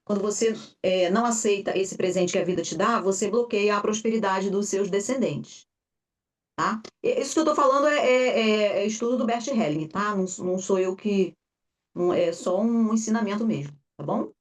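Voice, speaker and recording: A woman facilitator giving an informal teaching talk, animated and full of fillers, often acting out her clients' voices. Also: medium pitch, normal speed. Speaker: family constellation facilitator. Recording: voice distant from the mic.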